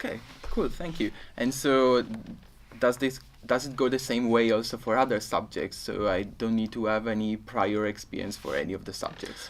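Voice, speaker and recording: In an Italian accent, a man talks at a moderate pace and medium pitch with fairly even intonation. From Italy. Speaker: student assistant. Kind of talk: interview Q&A. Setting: webinar.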